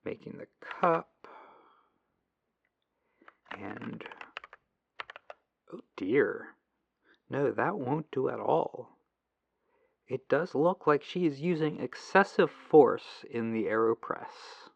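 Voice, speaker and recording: Man acting as brisk, gentle phone tech-support agent. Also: mid-range voice, animated, vocal fry, no echo, full character voice. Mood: focused musing. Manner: gentle, reassuring, apologetic, musing to himself. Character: patient, earnest male robot tech-support agent and programmer. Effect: telephone lo-fi filter. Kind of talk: soft-spoken ASMR phone roleplay. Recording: lo-fi muffled telephone sound.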